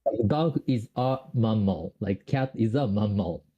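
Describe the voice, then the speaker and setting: A man's voice: lowish voice, animated, unhurried, slightly rough, muffled recording. A Japanese man speaking English with a Japanese accent, explaining grammar on a call, hesitant with many fillers and restarts. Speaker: Japanese tutor.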